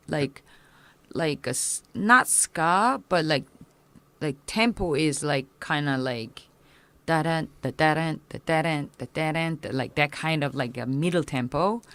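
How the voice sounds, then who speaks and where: A woman in her thirties, a punk musician with Korean as her first language, gives a casual interview in halting English marked by fillers and restarts. Her voice is low-pitched and a bit bright, with big pitch swings and no echo.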